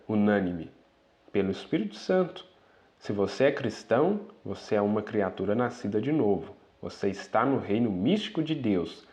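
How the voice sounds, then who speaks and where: A man's voice: on the low side, darkish tone. A man preaching a sermon, reading quoted passages aloud and breaking in with asides to the brethren.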